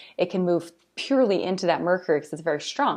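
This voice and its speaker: The speech comes very fast in an animated tone, with ordinary pitch variation. The background is quiet. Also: woman. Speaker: astrologer. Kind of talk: video lecture.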